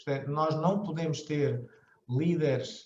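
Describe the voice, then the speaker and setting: A man speaks at a very slow pace, with audible room echo around him. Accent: European Portuguese. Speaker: company director and university lecturer. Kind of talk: conference talk, Q&A. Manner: halting, many fillers and repetitions.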